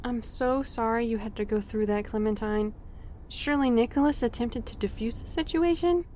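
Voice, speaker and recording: A woman's voice: fairly high pitch, normal speed, darkish tone, slight background noise, natural voice. A woman acting a friendly, concerned, polite character who is eager to help, in audio drama dialogue.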